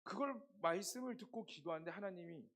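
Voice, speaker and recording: A hoarse young man preaching a sermon to a youth group, telling stories and asking the congregation rhetorical questions. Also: high voice, lively intonation, brisk, fairly bright tone. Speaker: youth pastor.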